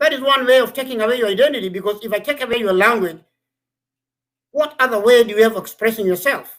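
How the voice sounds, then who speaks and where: Extremely high-pitched, a man with a Kenyan accent talks very fast in an animated tone with ordinary pitch variation. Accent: Kenyan Maasai English. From Kenya, Maasai. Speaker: scholar. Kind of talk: interview.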